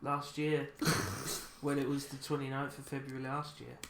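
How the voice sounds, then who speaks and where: A man's voice: medium pitch, flat delivery, measured pace, a bit bright. A man co-hosting a gaming podcast, joking around and laughing often in casual chat. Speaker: podcast co-host. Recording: roomy, noisy home podcast recording.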